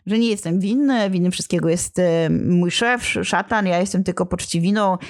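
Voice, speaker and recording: A woman's voice: fairly low pitch, moderate pace, dry recording, clean studio sound. A woman in a casual lesson, explaining and reading scenes from a drama, with small slips and restarts. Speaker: literature teacher.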